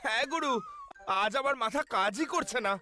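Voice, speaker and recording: A man's voice: extremely high pitch, expressive, moderate pace, over music. A man voicing a fretful middle-aged poet with a dramatic, whining manner in a children's cartoon. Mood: anxious.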